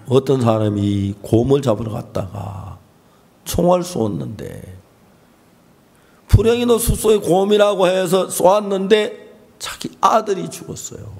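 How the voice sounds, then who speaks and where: Male pastor, sermon delivery in church; gravelly, slightly high, storytelling. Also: sing-song, takes it slowly, pauses often, a little mellow. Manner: storytelling, acting out the voices of the people in his story; frequent throat clearing.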